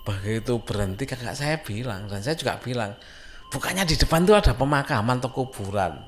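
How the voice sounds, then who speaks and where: A man with an East Javanese Indonesian accent narrates a ghost story over some background noise. His voice sits at a medium pitch. He talks informally and suspensefully, often repeating phrases to underline them. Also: animated, brisk. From Indonesia, a Javanese-speaking village.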